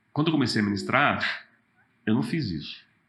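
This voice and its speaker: A man's voice with audible room echo. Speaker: pastor. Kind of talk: casual interview chat.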